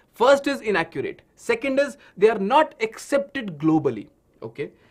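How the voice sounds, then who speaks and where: A man speaks at an extremely high pitch, his tone animated. His pitch swings very widely. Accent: Indian. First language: Hindi. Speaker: online tutor. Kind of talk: online class lecture.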